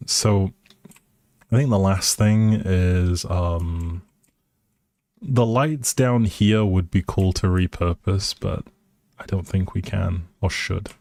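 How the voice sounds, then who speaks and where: Slow, low, mellow-voiced man musing aloud. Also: dry recording. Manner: musing, hesitant, trailing off. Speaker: live streamer playing a life simulation game. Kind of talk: casual chatty gameplay commentary, thinking aloud.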